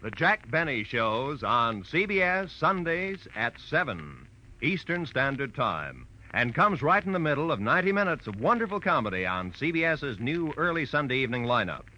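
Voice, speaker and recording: A man's voice: medium pitch, pushed and bright, a little hiss or hum. A man with an American accent reading scripted announcements as a 1940s radio network announcer. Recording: dull vintage radio broadcast with music.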